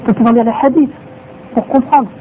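A woman's voice: fairly high pitch, fairly even intonation, fairly quick, mellow, slight background noise. A woman teaching a religious lesson who repeats her phrases and asks rhetorical questions, on a dull lo-fi recording.

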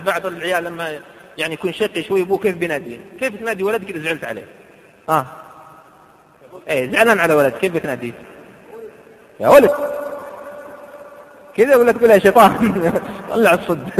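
Fast-talking preacher guy, high voice, echoey hall, tells stories and chants verses slow. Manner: animated storytelling, quotes verses in slow drawn chant. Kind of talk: lively sermon with anecdotes.

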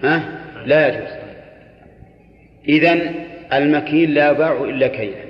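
A man's voice: on the high side, normal speed. A man teaching Islamic law in a lecture, often asking his listeners short rhetorical questions. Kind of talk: classroom lecture on a legal text. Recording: echoey hall, dull lo-fi sound.

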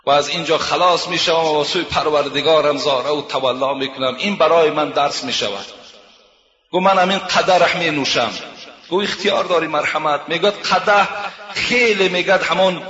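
A man's voice: a little high, pushed and bright. A man preaching a sermon, retelling moral tales and repeating "he says" as he goes. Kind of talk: sermon with storytelling. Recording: echoey hall with long reverb, dull lo-fi sound.

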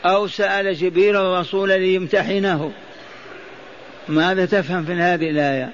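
A man's voice: high voice, fairly even intonation, brisk, slight background noise. A man teaching and explaining Quran verses, often repeating phrases and quizzing his listeners, and chanting the verses he quotes. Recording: dull lo-fi recording.

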